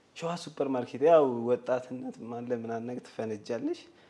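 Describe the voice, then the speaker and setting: A man talks at medium pitch with fairly even intonation. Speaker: stencil and paint artist, tiktoker; podcast guest. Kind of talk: casual interview chat. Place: home room.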